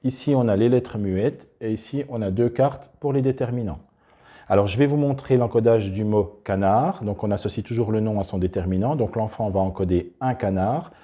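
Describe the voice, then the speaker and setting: Man, lowish husky voice, deep dark tone, talking through a hands-on classroom demo. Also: normal speed. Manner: unscripted, restarts, talks while handling materials. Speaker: presenter demonstrating a teaching method. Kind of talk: explanatory demonstration.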